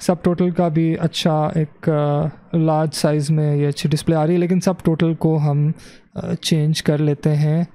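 A man's voice: on the high side, little pitch movement, unhurried, warm tone. A man teaching web design over a screen recording, thinking aloud and correcting himself as he goes, dropping English phrases into his explanation. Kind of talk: screen-recorded software tutorial.

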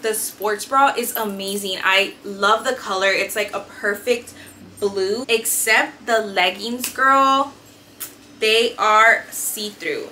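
Reviewing gym clothes in a casual haul video, a young female fitness and beauty vlogger chats eagerly with many fillers inside her small decorated bedroom. Her mid-range voice sounds pushed and bright, with slight background noise.

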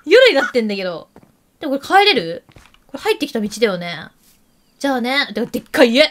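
A woman giving lively gameplay commentary, chatting to the game characters and to her viewers. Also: sits high, fairly quick, background noise. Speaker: game video host.

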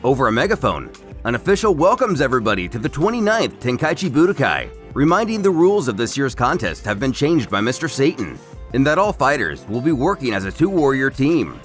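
Lively male narrator over music. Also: mid-range voice, a little fast. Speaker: YouTube narrator and host. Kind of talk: scripted story recap narration.

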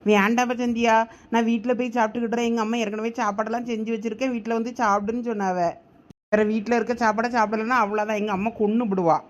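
A woman's voice: on the high side, flat delivery, fast, close to an everyday voice. A young woman in a village comedy skit, politely refusing, on a slightly muffled recording.

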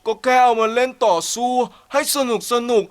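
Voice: mid-range voice, moderate pace, natural voice. A performer voicing a mischievous boy beetle in a children's storybook play, whining and copying the others. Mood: sorry.

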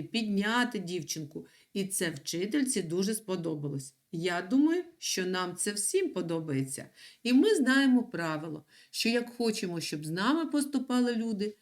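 Middle-aged female teacher, patient and clear, very animated pitch, talking to children. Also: moderate pace. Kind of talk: recorded online school lesson.

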